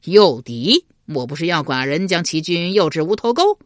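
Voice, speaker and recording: Woman doing a tribal king, blustering, boastful, low voice, big swings, dry recording. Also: big pitch swings, normal speed, no echo. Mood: eager.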